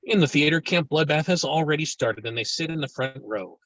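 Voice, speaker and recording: A man's voice: fairly high pitch, lively intonation, brisk, a bit bright, no echo, rough recording. A man reading stage directions aloud as scripted narration for a screenplay table read.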